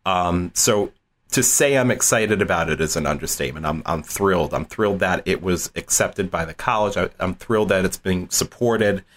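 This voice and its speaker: A fairly low-voiced man from southeastern Massachusetts talks as a guest on an interview. He tells his stories with animation, often breaking into laughter and doubling up his words. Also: moderate pace, fairly bright tone. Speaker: college dean, interview guest. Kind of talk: casual interview storytelling.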